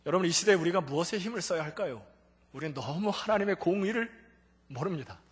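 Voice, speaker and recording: Fervent high-voiced preacher in a reverberant hall. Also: male voice, expressive, fast, slightly rough. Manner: fervent, rising to near-shouting peaks. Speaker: pastor. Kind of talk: sermon. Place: church sanctuary. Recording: long church hall reverb.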